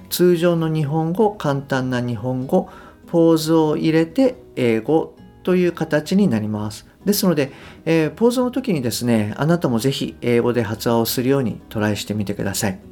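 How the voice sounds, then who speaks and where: A man hosting a business English podcast, talking politely and reading the lesson lines slowly. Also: on the high side, lively intonation, warm tone, faint music behind. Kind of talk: podcast monologue.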